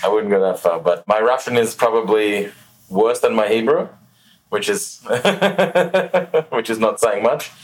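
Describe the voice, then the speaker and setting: A man with an Australian accent hosting a podcast, easygoing and quick to laugh. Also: on the low side, lively intonation, poor audio. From Australia, New Zealand and Los Angeles. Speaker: podcast host. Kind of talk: casual interview chat.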